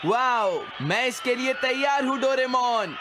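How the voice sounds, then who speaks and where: An actor playing a boastful, bullying boy who fancies himself a star singer, in a loud, grandiose cartoon manner. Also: high-pitched, unhurried, heavy background noise. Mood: thrilled. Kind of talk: Hindi cartoon dubbing. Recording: loud music and crowd behind.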